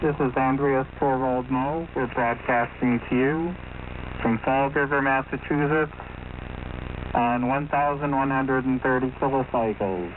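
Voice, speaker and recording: A man playing a courteous, formal station announcer in an old-time radio style, measured in delivery, heard through a shortwave radio filter. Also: mid-range voice, steady tone. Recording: noisy narrow-band shortwave radio.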